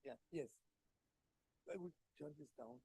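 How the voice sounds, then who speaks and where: A man's voice: on the high side, unhurried, creaky, dark tone, husky. A man chairing a conference session, speaking English hesitantly and restarting his phrases. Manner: hesitant, restarts phrases, mixes in Portuguese words. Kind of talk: halting conference announcement.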